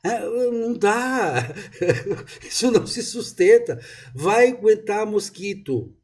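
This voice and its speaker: Gaúcho-accented guy, kinda high voice, husky, rambles and restarts a lot. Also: expressive, slow pace. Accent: southern Brazilian (gaúcho). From southern Brazil. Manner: rambling, emphatic, many restarts and laughs. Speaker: author and interviewee. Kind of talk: casual conversation.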